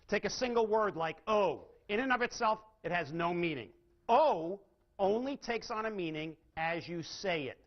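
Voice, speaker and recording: High, lively-voiced man giving a seminar. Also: muffled recording. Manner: asks the audience rhetorical questions and demonstrates inflection. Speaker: seminar speaker. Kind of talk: live seminar talk to an audience.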